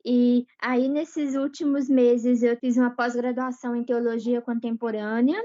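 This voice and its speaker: A woman's voice: a little high, flat delivery, measured pace, mellow. Woman in her thirties, dull lo-fi sound. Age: 30s. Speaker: podcast guest. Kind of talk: casual podcast chat.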